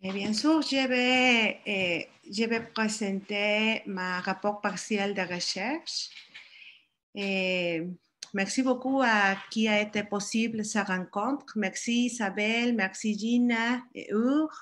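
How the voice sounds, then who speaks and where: A Mexican woman with a Spanish accent speaks slowly and haltingly, searching for each word. She is presenting academic research over an online video call. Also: mid-range voice, fairly bright tone, slight background noise. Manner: careful, halting, searching for words. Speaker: guest speaker, doctoral researcher.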